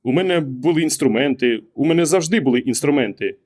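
A man reading an audiobook, voicing a quiet, withdrawn husband who gives terse, hesitant, muttered answers. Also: a little high, expressive, fast. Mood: evasive. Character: quiet, withdrawn middle-aged husband, evasive. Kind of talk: audiobook character voice.

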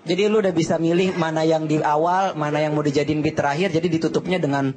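A man's voice: a little high, level tone, fast talker, crowd noise. A man judging a stand-up comedy show, giving candid, joking feedback on a comic's set in casual slang. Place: TV studio with live audience.

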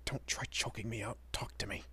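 A man playing a protective, easily bewildered young husband and father in an audio roleplay, with a husky, breathy, often whispering voice and halting, muttering delivery. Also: on the low side, steady tone, sharp tone, exaggerated voice. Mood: anxious, hushed. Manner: halting, muttering, mild swearing.

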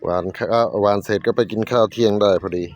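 A man's voice: lowish voice, fairly even intonation, quick pace, muffled recording, noisy background. A man with a northeastern Thai Isan accent, chatting casually as a farmer filming a vlog. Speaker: farmer vlogger.

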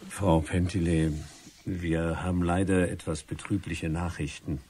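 Low-voiced formal gentleman. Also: flat delivery, a little hiss or hum. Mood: composed. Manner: polite, formal, deliberate. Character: formal, composed gentleman, friend of a lawyer. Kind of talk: German radio play acting.

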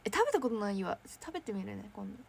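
A woman's voice: mid-range voice, sing-song, fast, gravelly, husky. A young woman hosting a casual fan livestream, chatting in a bubbly way, giggling often and reading viewer comments aloud.

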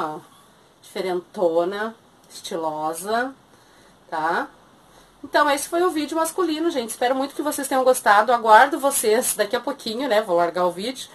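A woman in her thirties with a southern Brazilian accent, chatting casually as she shows and prices secondhand clothes in a small shop. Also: medium pitch. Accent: southern Brazilian Portuguese. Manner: chatty, keeps calling viewers "gente". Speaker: thrift shop seller. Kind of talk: casual sales video.

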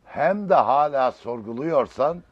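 A man's voice: medium pitch, lively intonation, measured pace, slightly rough, no room sound. A man giving a religious lecture in an emphatic, rising and falling way, using learned, old-fashioned vocabulary. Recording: dull lo-fi recording.

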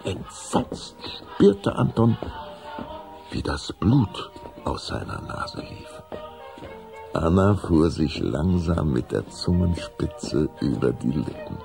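A man as a measured storybook narrator in a children's audio drama, reading a scripted story. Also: low-pitched, huge pitch swings, creaky, a little mellow, faint music behind, exaggerated voice. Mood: narrating.

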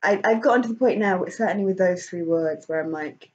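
A woman's voice: on the low side, brisk. Rambling woman vlogger, lo-fi. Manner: rambling, many fillers and restarts, laughs often. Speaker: vlogger and author. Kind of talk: casual chat.

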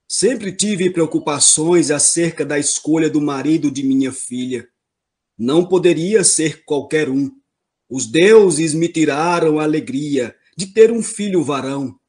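Man playing a slow, stately king. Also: fairly high pitch, darkish tone, natural voice. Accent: Brazilian. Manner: stately, grandiose. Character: pompous aging king, eager father of the bride. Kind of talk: comedic audio drama acting. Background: music.

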